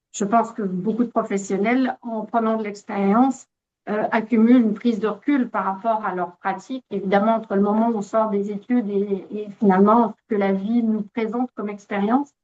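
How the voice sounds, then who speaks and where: A woman speaks with a slight Quebec accent at a fairly high pitch. Her intonation is monotone and flat. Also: moderate pace. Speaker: architect and urban planner. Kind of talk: panel discussion. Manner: hesitant, many fillers.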